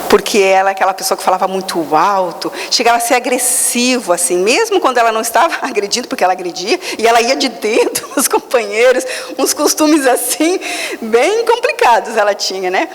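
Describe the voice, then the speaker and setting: Woman preaching in a big echoey hall, kinda high voice, super lively storytelling. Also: brisk. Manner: animated storytelling with lively quoted asides. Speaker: speaker at a Spiritist center. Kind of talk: spiritual talk.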